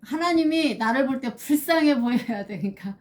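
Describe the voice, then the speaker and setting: A woman's voice: sits high, lively intonation, moderate pace. A woman, a pastor's wife, giving emphatic advice in a casual faith conversation. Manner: emphatic, advising.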